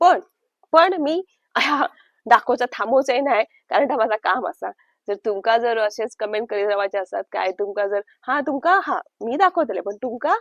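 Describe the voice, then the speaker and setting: In a Konkan accent, a woman speaks in a fairly high pitch with an animated tone and very wide pitch swings, the sound dry and close with no echo. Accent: Malvani Konkan Marathi. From Konkan, Sindhudurg (Malvan region). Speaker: YouTuber on Malvani culture. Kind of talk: vlog monologue.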